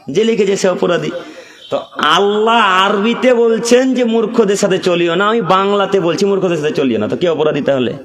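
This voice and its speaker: A male preacher from West Bengal, India, giving a sermon at a religious gathering. He chants Arabic verses, explains them, and fires rhetorical questions that he answers himself. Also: high-pitched. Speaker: Islamic preacher. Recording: live crowd behind.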